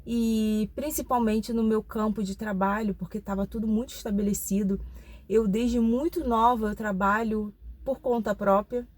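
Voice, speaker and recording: A woman's voice: medium pitch, steady tone, moderate pace, darkish tone. A Brazilian woman in her forties, talking to her viewers in a reflective, confiding way with many tag questions. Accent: Brazilian Portuguese. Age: 40s. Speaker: channel host. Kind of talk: casual personal vlog talk.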